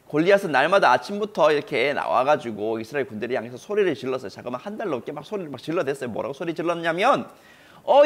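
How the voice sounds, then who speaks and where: A male pastor telling a Bible story to children in an animated, storytelling manner. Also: mid-range voice.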